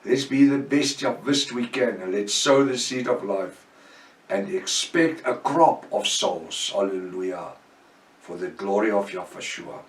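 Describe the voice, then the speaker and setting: A man's voice: fairly low pitch, expressive, measured pace. A man with an Afrikaans accent, preaching a fervent Bible-study sermon with prayers. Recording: echoey room, voice from far off.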